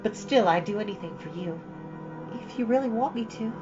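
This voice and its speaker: A woman voicing an imaginative, talkative orphan girl who speaks in a high, gushing, dramatic way. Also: lively intonation, brisk, music in the background, natural voice. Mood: earnest. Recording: slightly dull lo-fi recording.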